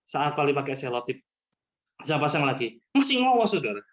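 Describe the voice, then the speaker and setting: A man shares a personal testimony at an online church service, his voice carried over a video call. He tells his story in a lively, animated way and keeps turning to speak directly to his listeners. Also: mid-range voice, brisk. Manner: animated storytelling, often addressing listeners as brothers and sisters. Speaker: church member giving a testimony.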